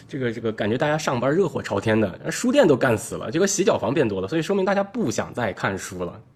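A man co-hosting a tech podcast in casual chat, expressive, rising in pitch to stress his points. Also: slightly rough.

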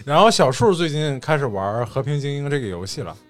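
Teasing man with a wildly lively voice. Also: medium pitch. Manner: teasing, quick banter. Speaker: podcast co-host. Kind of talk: casual chat. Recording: faint background music.

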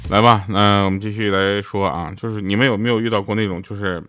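A young man telling short jokes in a stand-up monologue, deadpan, acting out the people in his stories. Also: on the low side, fast talker, no echo, faint music behind. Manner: deadpan storytelling, acting out the voices in his anecdotes. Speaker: stand-up comedian.

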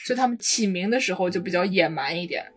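Fast-talking woman podcast host. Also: lowish voice. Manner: playful, lively explaining with jokes. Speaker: foreign language teacher. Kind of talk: casual podcast chat.

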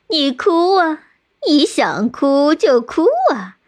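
A woman's voice: high-pitched, very animated, voice pushed up, full character voice. Woman playing a scornful old chieftain. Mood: mocking. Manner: scornful and drawn-out, turns begging. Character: proud, mocking old chieftain lord, later pleading.

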